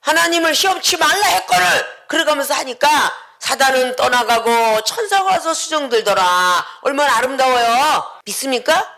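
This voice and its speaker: Animated, bright-voiced woman pastor preaching. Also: sits high, normal speed, hardly any pauses. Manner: dramatic, acts out quoted voices, frequent shouting. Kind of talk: sermon.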